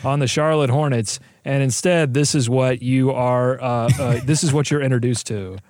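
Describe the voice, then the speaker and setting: A man co-hosting a casual sports podcast, teasing his partner in a quick, wry way. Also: medium pitch, fairly even intonation, darkish tone, no echo, studio quality.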